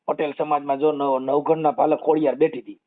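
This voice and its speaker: Man, high voice, Saurashtra Gujarati accent, outspoken and colloquial helpline adviser, thin phone-line sound. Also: flat delivery, fairly quick. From Gujarat, India. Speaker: activist taking a help call. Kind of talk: informal phone counselling conversation. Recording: narrowband phone call audio.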